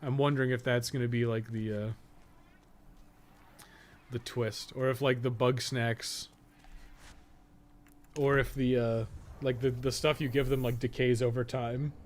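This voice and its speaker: A podcast co-host and game guide maker delivers casual, rambling game stream commentary, jokey and sometimes profane. His medium-pitched voice has little pitch movement, and he speaks unhurriedly, pausing often. The background is clearly noisy.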